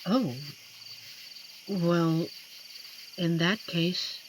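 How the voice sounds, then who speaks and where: A performer voicing an amiable, shy werewolf forest protector in a roleplay audio drama, speaking gently and hesitantly with earnest pauses. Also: mid-range voice, fairly even intonation. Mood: gentle, reserved. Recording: noisy track with night cricket ambience. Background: crickets and night forest insect ambience.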